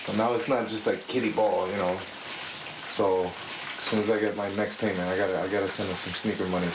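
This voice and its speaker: A man's voice: low-pitched, steady tone, fairly quick, heavy background noise. A middle-aged man from the Bronx talking casually in a documentary interview, full of fillers. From the Bronx, New York. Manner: casual, conversational, many fillers. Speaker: impersonator and father. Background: music.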